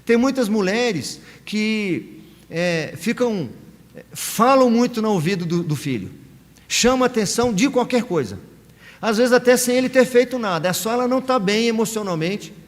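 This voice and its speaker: A Brazilian man preaches a sermon in a fairly high voice. He pauses often and acts out brief quoted lines. A long church reverb trails his words. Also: animated. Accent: Brazilian Portuguese. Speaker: pastor. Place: church sanctuary.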